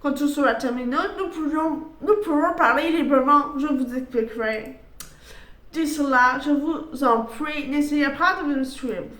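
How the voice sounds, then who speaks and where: A woman voicing a sly, scheming man who speaks smoothly and evasively in a narrated mystery game. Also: very high-pitched, unhurried, fairly bright tone, echoey room. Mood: pleading. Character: sly scheming male hotel guest.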